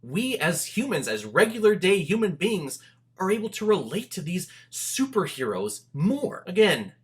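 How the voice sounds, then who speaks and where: A man giving an enthusiastic movie review, gushing and emphatic, with dramatic pauses for effect. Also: sits high, very animated. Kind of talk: enthusiastic video review commentary to camera.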